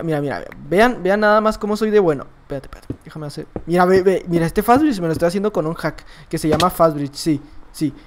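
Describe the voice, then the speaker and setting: A young man, talking fast and playfully over his own gameplay and teasing his opponents. His voice sits high for a man. A faint hiss of noise runs under the recording. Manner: excitable, playful trash talk. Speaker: gaming YouTuber. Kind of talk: live gameplay commentary.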